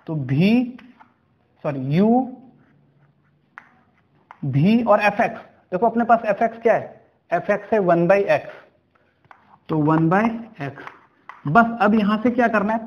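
Slow, high-voiced man teaching maths. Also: lo-fi sound. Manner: slow, step-by-step, checks understanding with questions. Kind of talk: blackboard maths lesson.

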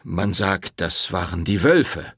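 A man's voice: low-pitched, expressive, takes it slowly, creaky, a bit bright, slightly rough, no echo, studio quality, full character voice. A man voicing an uneasy village priest in an audiobook, stammering and soothing. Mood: evasive. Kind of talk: audiobook character voice.

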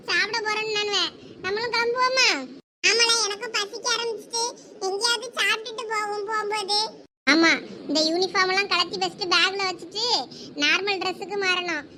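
A woman acting a frantic mother in a comedy skit, talking fast in rural dialect. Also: very high voice, background noise. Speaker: skit actor playing several village characters.

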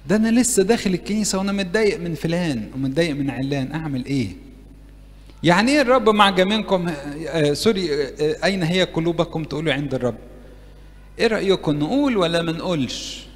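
A man's voice: fairly high pitch, fast, big-room sound. A man with an Egyptian Arabic accent preaching a sermon to young people, asking them questions and acting out prayers. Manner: lively, asks the audience questions and acts out prayers. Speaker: priest preaching to university youth. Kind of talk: interactive sermon. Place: church meeting hall.

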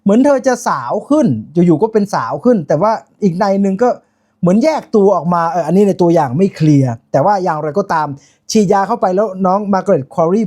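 Chatty man with a mellow voice. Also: high voice. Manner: chatty, informal, full of asides and self-corrections. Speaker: film reviewer. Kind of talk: casual spoken film review.

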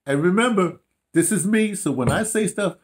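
A man's voice: sits high, normal speed. Older American man, rambling storyteller. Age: 60s or older. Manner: animated, rambling, emphatic, with false starts and repeated phrases. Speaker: audio dramatist being interviewed. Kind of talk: casual reflective interview talk, storytelling. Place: small room at home, indoors.

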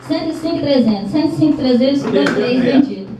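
A woman's voice: high-pitched, animated, fast talker, a crowd in the background. A woman with a Brazilian accent calling bids at a live auction, repeating figures and prompts in a chant. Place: small crowded indoor meeting room. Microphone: distant handheld camera in audience. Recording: roomy far-off camera, audience noise.

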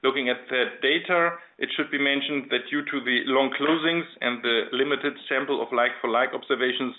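A male executive with a German accent presents company results over a thin, narrow telephone connection. His voice sits at an average pitch. He is formal and measured, clearly reading from a prepared script. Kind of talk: scripted financial presentation on a conference call. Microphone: telephone conference line. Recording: narrow phone-line sound.

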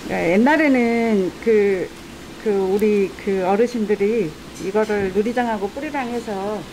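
A middle-aged woman cook explaining her dishes in a casual, friendly way while she works with her hands in a restaurant kitchen. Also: mid-range voice. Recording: noisy kitchen recording.

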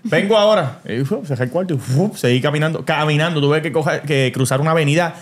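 A podcast host from Puerto Rico, with a Puerto Rican accent, tells stories animatedly in casual chat, dropping in English words and restarting often. His voice is on the high side and he speaks quickly.

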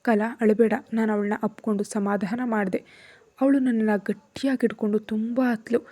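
Woman narrator, earnest first-person storytelling, warm mellow tone. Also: fairly high pitch, steady tone, moderate pace.

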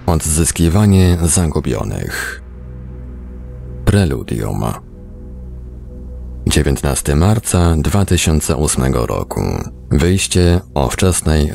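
A man narrates an audiobook in an exceptionally deep voice. His tone crackles with gravelly fry. He reads scripted text in a measured way, leaving deliberate pauses. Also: a little mellow. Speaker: audiobook reader on a radio programme.

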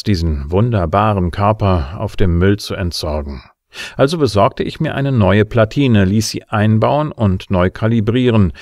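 An actor playing a cynical, smug bounty hunter in a sci-fi audio drama, with a wry, self-satisfied delivery. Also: male voice, lowish voice, dry recording, clean studio sound. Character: cynical, smug male bounty hunter narrating his adventures. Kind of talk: sci-fi audio drama acting and first-person narration.

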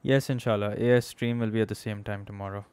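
Speaking quickly with a steady tone, this young Pakistani-accented teacher runs an informal maths lesson on a live stream in a fairly low, slightly mellow voice. The sound is clean and echo-free, picked up by a close boom-arm microphone at his desk in a small room. He chats with listeners, asks "okay?" often, and switches between English and Urdu.

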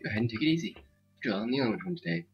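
A man's voice: fairly low pitch, lively intonation, racing, lightly acted. A man voicing a cheerful, hospitable teenage schoolgirl as he reads video game dialogue aloud. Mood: friendly, inviting. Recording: dull lo-fi mic with game music.

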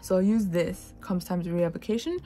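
A woman's voice: lowish voice, a little fast, dark tone, soft background music. A woman beauty vlogger chatting casually through a product review, with slang and playful asides.

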